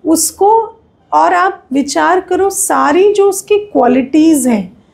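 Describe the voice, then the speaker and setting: A woman's voice: very high-pitched, expressive, takes it slowly, creaky, darkish tone. A woman with an Indian accent giving an explanatory spiritual discourse, conversational and instructive, often posing questions to her listeners. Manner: didactic, conversational, often asks rhetorical questions and checks understanding. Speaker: spiritual teacher.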